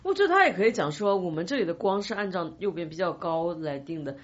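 A woman's voice: fairly low pitch, lively intonation, fast talker, muffled recording. A woman hosting a casual podcast chat, prompting her friends and adding wry, teasing comments. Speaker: podcast host.

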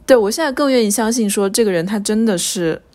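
A woman's voice: medium pitch, quick pace, dark tone. A woman in her thirties, co-hosting a casual podcast chat, reflective and thinking aloud with small restarts. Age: 30s. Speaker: podcast co-host.

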